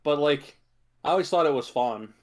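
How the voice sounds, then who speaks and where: A man chatting casually as a podcast co-host, in a halting way full of filler words and hedges. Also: fairly high pitch, expressive, darkish tone. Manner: halting, hedging delivery with many filler words. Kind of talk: casual chat about video game movies.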